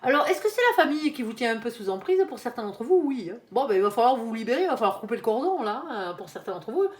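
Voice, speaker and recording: A chatty woman lays out tarot cards for her audience, sprinkling her talk with quick asides and playful warnings. Her voice sits fairly high for a woman. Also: big pitch swings. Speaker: tarot reader. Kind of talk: casual tarot reading.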